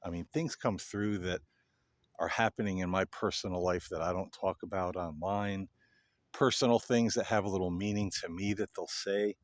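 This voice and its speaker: A man hosting a paranormal video, talking casually and earnestly to viewers in halting phrases. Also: sits low, steady tone, no room sound. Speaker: paranormal investigator, video host. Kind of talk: casual explanatory monologue to viewers.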